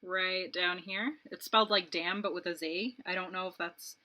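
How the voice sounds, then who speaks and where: Chatty bright-voiced young woman. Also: lowish voice, steady tone, normal speed. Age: 20s. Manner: rambling, chatty, laughs often. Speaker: beauty vlogger. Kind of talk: casual chat while doing makeup.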